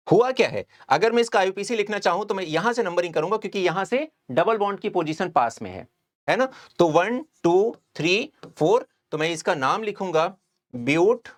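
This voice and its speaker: A man giving a step-by-step chemistry lecture and often checking that his students follow. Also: high-pitched. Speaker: chemistry teacher. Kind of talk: whiteboard lecture.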